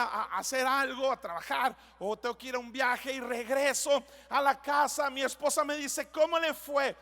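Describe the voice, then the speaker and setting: A man preaching a language sermon as a pastor, reading scripture slowly and building to emphatic declarations. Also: very high voice, pushed and bright. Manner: reads scripture slowly, then preaches with rising intensity. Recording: long church hall reverb.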